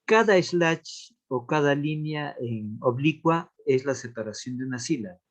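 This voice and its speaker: A man teaching a literature class in a recorded lesson, explaining patiently, repeating key points and often checking in with a quick question. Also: medium pitch, lively intonation. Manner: counts out verses aloud slowly.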